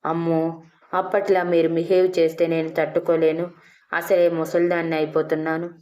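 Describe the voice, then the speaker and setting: A woman's voice: deep voice, little pitch movement, normal speed, mellow, lightly acted. A woman voicing a playful older wife in an audio story, teasing her husband and then coaxing him. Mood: pleading. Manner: teasing, pleading.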